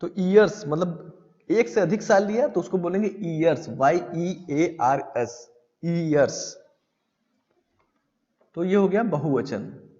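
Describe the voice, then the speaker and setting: A man teaching grammar at a slow, unhurried pace, his voice sitting a little high. He reads English lines slowly, explains them, and answers his own questions. The lo-fi recording sounds dull, with a long reverb trailing behind. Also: mellow. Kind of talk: classroom-style lesson on English grammar.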